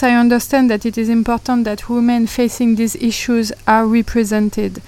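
A woman's voice: a little high, a little mellow, clear, resonant tone, poor audio. A woman in her thirties with a French accent, hosting a podcast and earnestly sharing a personal story, reflective and a little hesitant. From France. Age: 30s. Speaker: podcast host.

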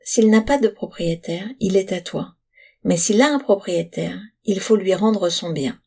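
A woman voicing a patient, wise mother who speaks calmly and firmly to her son, in a storybook reading. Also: mid-range voice, measured pace, gravelly, breathy edge. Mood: gently firm. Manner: calm, gently firm.

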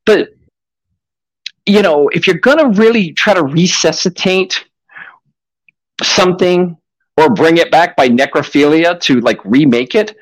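A man in his late forties hosting a casual podcast, talking in an animated, rambling way and swearing often. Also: fairly high pitch, measured pace, pauses often, no echo, rough recording. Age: 40s. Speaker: podcast host.

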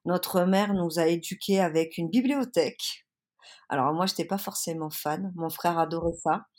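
A woman's voice: on the low side, moderate pace, a little mellow. A woman from France, speaking earnestly and with many hesitations as an interview guest, slightly under the weather with a cold. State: has a cold. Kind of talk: casual interview.

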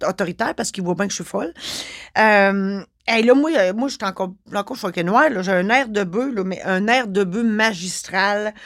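Lively Québécois woman telling a story. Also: medium pitch, no room sound, studio quality. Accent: Québécois French. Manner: lively, expressive, many fillers and restarts. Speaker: notary and podcast host. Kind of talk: casual storytelling monologue.

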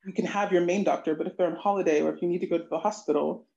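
An earnest, reflective adult student describes her language lessons at a middle pitch. The sound is roomy and echoey, and a little dull. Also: fairly even intonation, racing, gravelly, darkish tone. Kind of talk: interview. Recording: echoey, muffled lo-fi audio.

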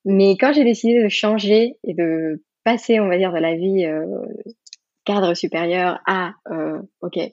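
Her low, darkish voice moves at an unhurried pace as this Mexican yoga teacher, accented in Mexican Spanish, reflects during a podcast interview. She often restarts sentences, uses fillers and laughs readily, and the audio has no echo, with the highs cut off.

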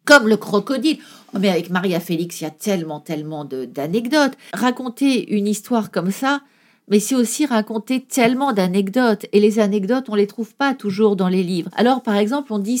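A woman, a guest in an interview, pours out anecdotes with relish. Her storytelling is vivid and full of exclamations, and her voice sits at a middle pitch. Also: a little mellow.

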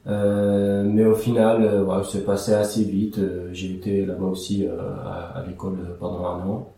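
A man's voice: deep voice, little pitch movement, moderate pace, mellow, very echoey, recorded from a distance. A young man from Iraq, whose first language is Aramaic, answering interview questions in a casual, hesitant way with many fillers and restarts. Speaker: interview guest.

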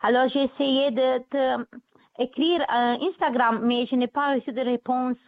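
A woman's voice: high-pitched, little pitch movement, unhurried, no echo. A woman from Italy calling a radio phone-in, speaking with a foreign Italian accent in a hesitant way, searching for words and correcting herself. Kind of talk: casual phone-in conversation. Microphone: phone call. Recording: tinny narrow phone line.

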